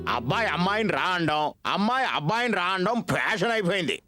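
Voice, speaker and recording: A man playing a gruff, defensive father renting a house for his daughter in a dubbed film. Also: high voice, very animated, fast talker, sharp tone, soft background music, heavily acted.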